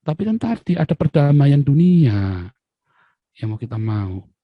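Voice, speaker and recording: A man delivering an angry political rant in Indonesian, repeating himself and swinging between loud outbursts and low muttered asides. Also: very animated, a little slow, no room sound, narrow, tinny audio. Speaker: political commentator. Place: abroad, talking to camera.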